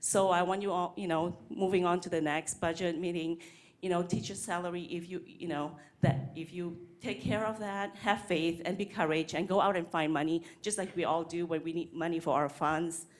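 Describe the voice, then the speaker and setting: A woman speaks at a school board podium microphone, her voice sitting low. She is earnest and hesitant, with many ums and restarts as she makes her public comment. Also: fairly even intonation, moderate pace. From Malaysia. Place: board meeting room.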